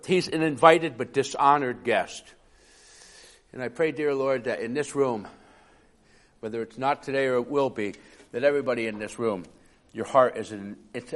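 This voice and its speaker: A man preaching a sermon in a conversational way, with a raspy, hoarse voice from a cough and chuckling asides. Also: mid-range voice.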